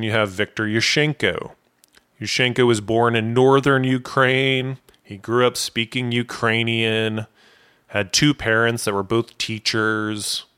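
Smooth-voiced man narrating history. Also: fairly low pitch. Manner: steady, explanatory storytelling. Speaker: podcast host.

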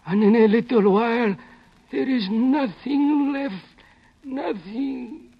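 Old radio drama, a nervous arab servant, super high voice, slow broken english, muffled sound. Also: male voice, gravelly, full character voice. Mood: haunted, horrified. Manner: halting broken English, deferential. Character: timid Arab servant man telling of strange horrors. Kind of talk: 1950s radio acting. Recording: dull lo-fi 1950s radio recording.

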